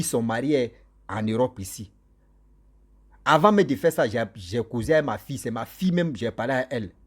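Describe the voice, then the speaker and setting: Guy telling a ghost story, husky voice, keeps laughing and doing the voices. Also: mid-range voice. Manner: laughs often while telling, acts out the voices of the people in the story. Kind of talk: casual spoken ghost story.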